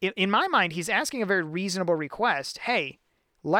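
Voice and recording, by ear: Text is read aloud in a natural-sounding voice. Nothing intrudes from the background.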